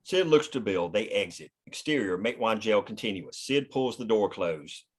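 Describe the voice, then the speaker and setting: A man's voice: fairly low pitch, lively intonation, normal speed, husky. A man reading scripted stage directions plainly in the present tense, as narrator at a table read.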